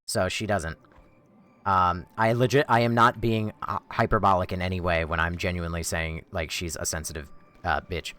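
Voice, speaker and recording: A young man streaming a game live, reading chat sarcastically and shrieking when the game scares him, his voice going hoarse. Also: low-pitched, steady tone, moderate pace, pushed and bright. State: losing his voice.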